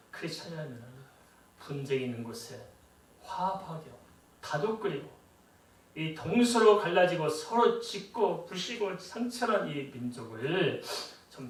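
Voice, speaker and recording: This middle-aged pastor speaks in a mid-range voice, preaching a sermon in a church sanctuary with a conversational tone and frequent rhetorical questions for his congregation. Slight background noise is audible, and his voice comes from a distance in an echoey hall.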